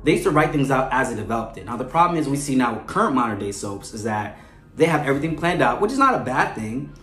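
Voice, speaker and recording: A man's voice: medium pitch, big pitch swings, quick pace, a bit bright. Chatty male host in an echoey room. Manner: chatty, often ends points with a questioning "right?". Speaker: host of a soap opera fan show. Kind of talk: conversational character analysis commentary. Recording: roomy echo with music underneath. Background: background music.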